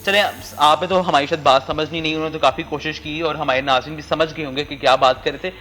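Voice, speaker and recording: A man's voice: fairly high pitch, steady tone, sharp tone, a little hiss or hum. A man co-hosting a comedy talk show, prodding a guest with questions. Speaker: co-host. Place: TV studio.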